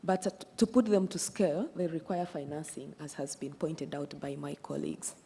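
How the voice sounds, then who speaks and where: A woman panelist speaking in a measured, deliberate way. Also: low voice, steady tone, creaky, warm tone, big-room sound, a little hiss or hum. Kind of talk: panel discussion remarks.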